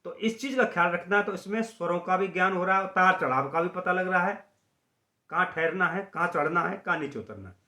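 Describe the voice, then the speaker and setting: A man teaching a singing lesson at the harmonium, slowly explaining notes and singing short chant phrases. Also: sits high, bright, forceful tone, reverberant. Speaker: music teacher.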